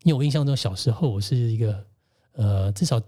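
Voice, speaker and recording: A man, a podcast guest and co-host gently telling a personal story in casual conversation. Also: medium pitch, a little fast. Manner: reflective, gentle, recounts childhood memories.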